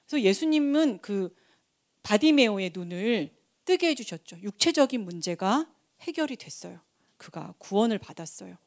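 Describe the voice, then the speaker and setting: A woman preaching a sermon, telling a Bible story with lively acted-out shouts and quoted dialogue. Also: medium pitch, moderate pace.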